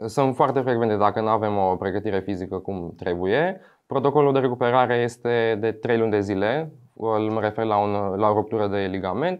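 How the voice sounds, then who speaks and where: With a Greek accent, a man speaks at a moderate pace and a fairly low pitch against a quiet background. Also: ordinary pitch variation. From Greece. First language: Greek (speaking Romanian). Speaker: physiotherapist; guest. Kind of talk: interview. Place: studio. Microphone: lapel.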